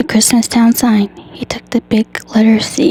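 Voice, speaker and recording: Soft-spoken, fairly slow delivery amid noticeable background noise. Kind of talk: ASMR book reading.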